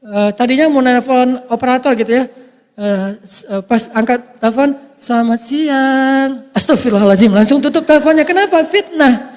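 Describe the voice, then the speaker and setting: A man giving a humorous sermon, acting out little scenes with a soft voice that people often take for a woman's. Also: very high voice, brisk, in a large hall. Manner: playful, acts out little scenes. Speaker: preacher.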